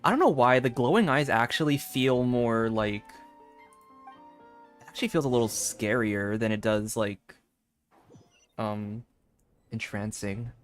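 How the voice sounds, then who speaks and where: A woman's voice: rumbling low, measured pace, long pauses. A woman streaming a game, giving casual live commentary as she plays. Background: game music.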